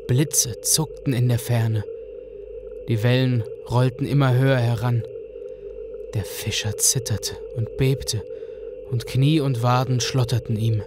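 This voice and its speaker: A man narrating a fairy tale for a radio play in a calm, measured way. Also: medium pitch, noisy background.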